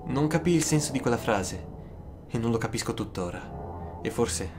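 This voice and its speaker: A man narrating a scripted first-person horror story, with dramatic, suspenseful pauses. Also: mid-range voice, animated. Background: music.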